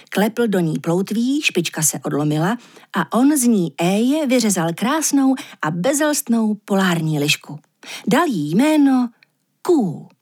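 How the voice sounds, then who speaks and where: Woman reading a fairy tale lively. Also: medium pitch, breathy edge. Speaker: narrator.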